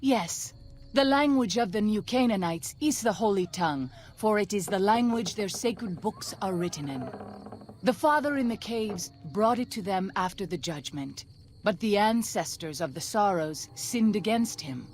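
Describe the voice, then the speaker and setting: A woman's voice: mid-range voice, expressive, moderate pace, a little mellow, close to an everyday voice. Brief: actress as a devout tribal woman, formal and reverent, game dialogue, faint hiss. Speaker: game character.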